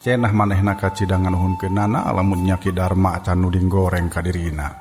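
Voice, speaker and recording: Man reading an old folk tale, steady and measured, lowish voice, echoey, music playing under. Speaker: storyteller. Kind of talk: traditional oral storytelling. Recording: reverberant with background music.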